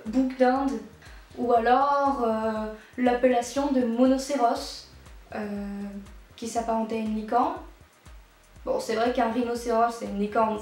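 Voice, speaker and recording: A woman giving a playful, chatty explainer to her viewers, with quick asides along the way. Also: a little high, a little mellow. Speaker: YouTube educator. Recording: echoey room.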